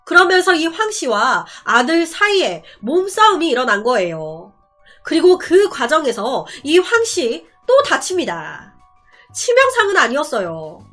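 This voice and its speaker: A woman's voice: sits high, pushed and bright. A woman narrating a true-crime story in a dramatic, conversational storytelling style with rhetorical asides.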